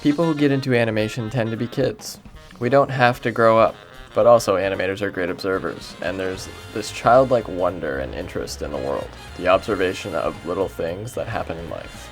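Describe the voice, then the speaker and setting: A man's voice: low-pitched, a little fast, faint music behind. A man giving a scripted reading of a quotation as a guest narrator.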